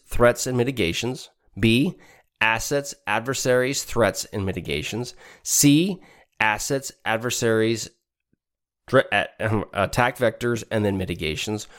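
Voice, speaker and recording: A middle-aged man with a lowish voice and the stuffed-up sound of a cold. He talks through exam questions in a relaxed, conversational way, reading out each option before reasoning toward the answer. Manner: casual and conversational, reads options then reasons aloud. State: congested from a cold. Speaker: podcast host and exam tutor.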